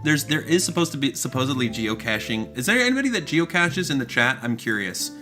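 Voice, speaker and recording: A man's voice: mid-range voice, fairly quick, faint music behind. A man hosting a casual livestream reaction chat, reading out chat messages and laughing often. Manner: animated, reads chat aloud, laughs often. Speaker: livestream host.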